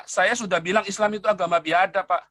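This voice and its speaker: A combative man in a live-streamed debate, his voice high and sharp. He rattles his words out quickly and mockingly, and he cuts in on his opponent again and again. The sound is close and dry. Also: fairly even intonation, no room sound. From Indonesia. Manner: combative, mocking, keeps interrupting.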